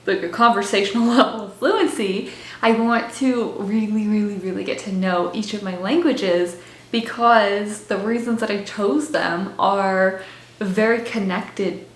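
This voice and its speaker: A woman's voice: mid-range voice, roomy sound. A young woman vlogging in casual talk to camera, bubbly and chatty, with little laughs between her words and lots of "like" fillers. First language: English. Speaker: language-learning vlogger.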